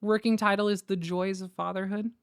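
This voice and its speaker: A young woman chatting casually on a livestream, excitable, giggly and given to swearing. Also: medium pitch, a little fast, clean tone. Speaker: streamer.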